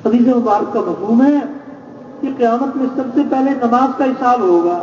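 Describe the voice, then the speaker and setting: A man preaching a sermon, measured and exhorting, repeating key phrases. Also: very high-pitched, a little mellow. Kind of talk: religious sermon. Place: large gathering space. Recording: echoey, distant, dull lo-fi with faint noise.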